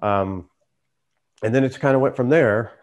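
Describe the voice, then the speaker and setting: The host of a trading YouTube channel, a man with a medium-pitched, slightly slow voice, tells his story casually and conversationally.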